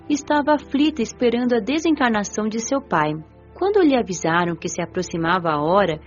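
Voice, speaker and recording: Woman narrator, gentle, reflective, lively pitch, slightly dull audio, faint music. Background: soft background music.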